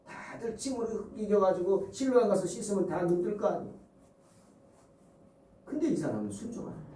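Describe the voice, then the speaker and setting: A man preaching a sermon as a pastor, animated, acting out scenes and asking the congregation questions. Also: sits high, roomy sound, far from the mic, rough recording.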